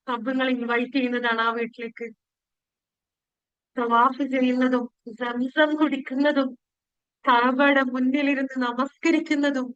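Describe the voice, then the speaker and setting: A woman leading a guided spiritual meditation and prayer in a pleading, devotional way with drawn-out phrases. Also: high-pitched, a bit bright, clean tone, dry recording, poor audio.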